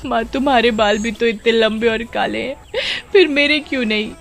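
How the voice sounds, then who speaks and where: एक औरत बच्चों की कहानी में गांव की एक भोली जवान लड़की की आवाज़ कर रही है, जो भावुक होकर बोलती है और डरने पर हकलाती है।. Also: female voice, mid-range voice, normal speed, soft background music, pitched above the performer's own voice, close to an everyday voice. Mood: tearful. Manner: tearful, stammering when scared. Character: sad young village girl teased for her hair. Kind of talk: children's storybook voice acting.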